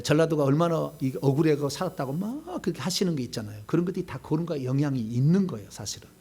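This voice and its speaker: A middle-aged pastor preaching with a husky edge to his voice. His pitch leaps and dips all over as he talks, jumping from loud bursts to quiet asides. The voice sits a little high for a man. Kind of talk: sermon.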